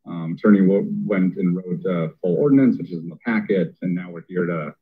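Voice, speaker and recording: Man, low husky voice, meeting chair, conversational, thin phone-like audio. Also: brisk. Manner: conversational, thinks aloud with fillers. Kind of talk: meeting discussion.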